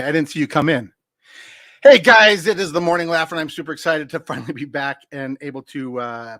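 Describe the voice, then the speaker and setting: A man in his fifties with a bright, forceful voice hosts a comedy chat show. He talks playfully and pokes fun at himself. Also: mid-range voice. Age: 50s. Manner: playful, self-mocking. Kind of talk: casual comedic banter.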